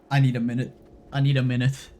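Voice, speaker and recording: A man's voice: mid-range voice, darkish tone. A man streaming a game live, shaken and stressed, swearing and repeating himself.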